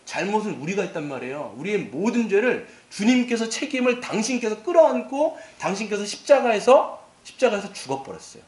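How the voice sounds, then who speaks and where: A middle-aged male pastor preaching a sermon in an animated way, acting out quoted lines and asking the congregation questions. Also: high voice, fairly quick, few pauses. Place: church sanctuary. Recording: echoey church hall.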